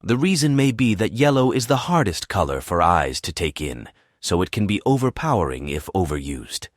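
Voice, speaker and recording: Male exam tutor, low pitch, deliberate read-aloud delivery, very dry sound. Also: sing-song, no echo. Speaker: test-prep teacher reading practice passages. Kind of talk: reading aloud practice passages.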